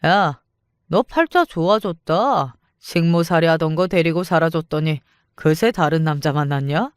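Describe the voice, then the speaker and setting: A woman's voice: low-pitched, unhurried, clean tone, no echo. A woman voicing a greedy, sneering estranged father who wheedles for money, in a dry studio read. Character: greedy debt-ridden estranged father, middle-aged man.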